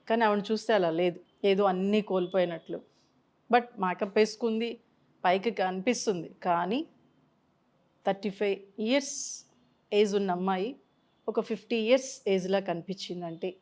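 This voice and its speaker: A woman's voice: mid-range voice, darkish tone. A woman counselor giving a health advice talk to camera, explaining through patient stories and mixing in English words.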